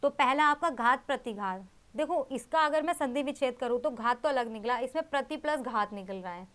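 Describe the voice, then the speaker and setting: A woman's voice: high voice, animated, brisk, a bit bright. A young woman teaching an exam-prep grammar lesson, explaining with rhetorical questions and repeating key terms.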